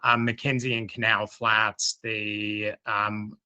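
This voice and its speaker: A man speaking as a company executive on an earnings call, choosing his words carefully with halting, measured phrasing. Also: on the low side, level tone, bright, forceful tone, clear, resonant tone.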